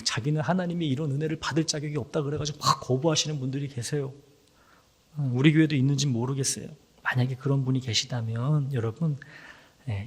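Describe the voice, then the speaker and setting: A man's voice: mid-range voice, breathy edge. A man preaching a sermon as pastor, acting out quoted voices and sometimes dropping to a whisper. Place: church sanctuary. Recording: long hall reverb.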